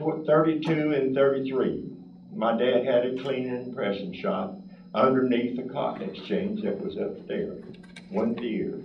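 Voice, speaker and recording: Speaking with an American accent, a man of medium pitch talks fairly slowly with lively intonation, with noticeable background noise and audible room echo. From Texas, Gainesville. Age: 80s+. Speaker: elderly Freemason honoree. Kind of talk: award acceptance speech.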